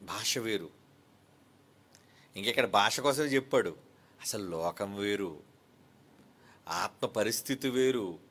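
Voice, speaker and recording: A man preaching a sermon as a pastor. He keeps asking rhetorical questions of his listeners and swings between quick, raised lines and slow, quiet stresses. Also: fairly low pitch, expressive.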